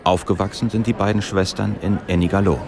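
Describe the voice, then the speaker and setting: A man reading a calm, scripted documentary narration. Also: low voice, brisk, creaky, a crowd in the background.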